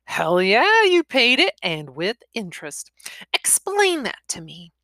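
A woman's voice: mid-range voice, animated, unhurried, a bit bright, no room sound. A woman voicing a foul-mouthed, confrontational young female bully in her twenties from a novel, growling and accusing. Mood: taunting.

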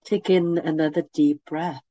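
A woman with a head cold and a nasal voice, leading a guided meditation with gentle, soothing instructions. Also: low-pitched, fairly even intonation, normal speed, dry recording, highs cut off.

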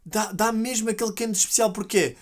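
A man's voice: high voice, a little fast. A man with a European Portuguese accent hosting a podcast, telling a story casually with lots of slang and acted-out quotes. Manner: animated, slangy, acts out quotes. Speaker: podcast host.

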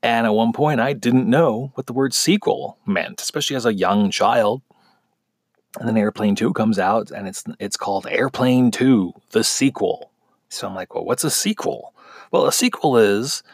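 A man's voice: mid-range voice, slightly rough, no echo, clean studio sound. A man giving a casual spoken film review, chatty and conversational, with frequent fillers and restarts.

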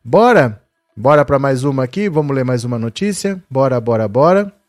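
A man's voice: mid-range voice, animated, moderate pace, no echo, studio quality, soft background music. A middle-aged man hosting a casual live-stream commentary, indignant and talking straight to viewers.

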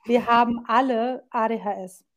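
A woman's voice: on the high side, steady tone, moderate pace, dull audio. Chatty, candid German woman in her forties. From Berlin, Germany. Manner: chatty and candid, loose and colloquial with frequent fillers. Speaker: guest, occupational therapist. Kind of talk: casual podcast interview.

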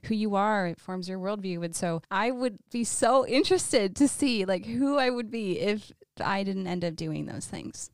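A woman's voice: medium pitch, expressive, normal speed, hardly any pauses, clean tone, no room sound, clean studio sound. A young woman co-hosting a podcast, chatting in a friendly way and laughing often as she asks questions. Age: young adult. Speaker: podcast co-host. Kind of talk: casual conversational podcast.

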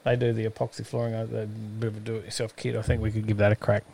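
A man's voice: lowish voice, little pitch movement, rapid-fire, vocal fry, darkish tone. An Australian man hosting a live stream in casual, rambling chat, hesitating often as he goes. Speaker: host of a live-streamed show.

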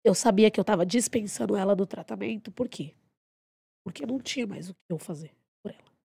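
A young adult woman and podcast guest telling her story in a blunt, animated, outspoken way, swearing freely. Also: mid-range voice, brisk, creaky, husky, dry recording, studio quality. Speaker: podcast guest, dance teacher. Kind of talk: casual storytelling.

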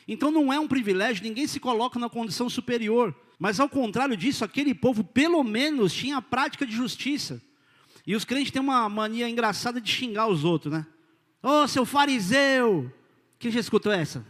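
A man with a Brazilian accent preaching a sermon as pastor, in an informal, direct and animated way that swings between loud and quiet. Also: extremely high pitch, fast. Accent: Brazilian Portuguese. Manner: informal, direct, addresses listeners as "cara" and "querido". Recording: long hall reverb.

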